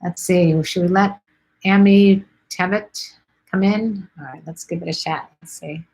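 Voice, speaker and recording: A woman's voice: fairly low pitch, steady tone, a little slow, a little mellow, poor audio. A middle-aged woman from Chicago hosts a live stream, chatting casually and rambling with lots of ums as she reads viewer comments. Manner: chatty, rambling, many ums and let's sees.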